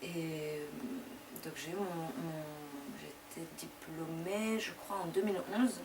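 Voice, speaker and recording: A young woman, born in France to a Persian-speaking family, answers interview questions in a relaxed, conversational way, often pausing as she speaks. Her voice sits a little low. The mic is some way off, and a clear hum of background noise runs under everything. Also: distant mic. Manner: conversational, loosely paced with frequent pauses. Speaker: deputy mayor interviewee. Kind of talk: interview answers, personal story.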